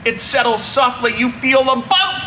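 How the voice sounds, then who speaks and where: A man narrating a children's story in an expressive, dramatic read-aloud style with emphatic delivery. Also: very high-pitched, normal speed, over music. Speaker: narrator reading a children's book.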